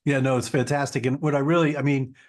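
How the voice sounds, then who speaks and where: A man's voice: medium pitch, steady tone, fast talker. A man hosting a podcast interview, an orthopedic surgeon who talks in an enthusiastic, effusive, promotional way.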